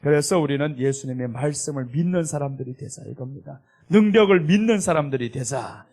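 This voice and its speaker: Emphatic Korean pastor preaching. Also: male voice, a little high, a little fast, a little mellow. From South Korea. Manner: emphatic preaching, quotes scripture in voiced asides. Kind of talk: sermon.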